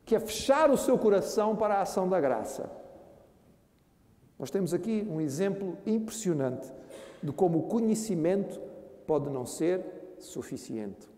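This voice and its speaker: A man's voice: sits high, sing-song, normal speed, pauses often, mellow. A man with a Brazilian Portuguese accent, a pastor preaching a sermon who earnestly calls his listeners brothers. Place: church hall. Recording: echoey church hall with long reverb.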